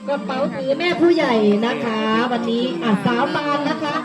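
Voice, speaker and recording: A woman's voice: sits high, moderate pace. A woman hosting a live fashion show as a seller, hyping the items and repeating prices and praise. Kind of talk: live fashion show commentary selling products. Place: busy live community event. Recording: loud music and crowd, event PA.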